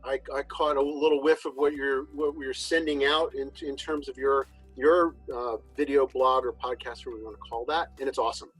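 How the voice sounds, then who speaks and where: A man hosting a casual chat show, talking in a relaxed, rambling way with frequent restarts. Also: medium pitch, brisk, hardly any pauses, husky, soft background music, rough recording. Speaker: podcast host.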